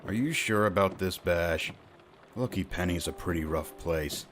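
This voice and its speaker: An actor playing a polite, cautious veteran partner in an audio drama, speaking in a courteous, measured way. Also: male voice, low-pitched, a bit bright, soft background music. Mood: worried. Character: earnest, polite veteran male partner Zep.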